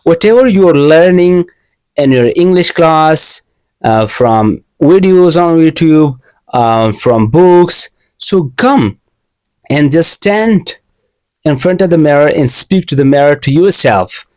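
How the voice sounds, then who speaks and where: A young Asian man whose first language is Asian teaches a casual English lesson in earnest learner English, often repeating and restarting phrases. His fairly high voice has lively intonation and a darkish tone, and he takes it slowly. The recording is dry.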